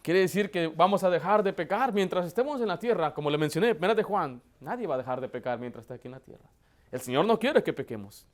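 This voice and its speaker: A man, a pastor, preaching a sermon with emphatic rhetorical questions that build to loud, impassioned emphasis. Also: high voice, lively intonation, quick pace.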